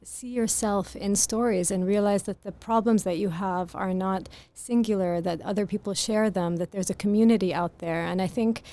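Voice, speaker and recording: Soft-spoken woman author, podcast guest, earnest and articulate, mid pitch. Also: fairly even intonation, normal speed, few pauses. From grew up in Greece. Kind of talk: podcast interview.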